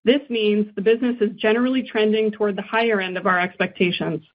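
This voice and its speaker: A woman finance executive reading a scripted earnings presentation in a formal, measured way. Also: medium pitch, steady tone. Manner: formal, measured business delivery. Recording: dull, band-limited conference call audio.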